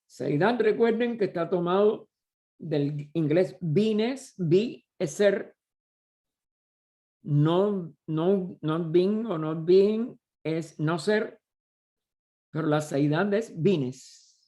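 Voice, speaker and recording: A man leading a study group, explaining a text slowly and deliberately, often pausing and restarting as he searches for words. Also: high-pitched, warm tone. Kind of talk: slow explanatory study lecture.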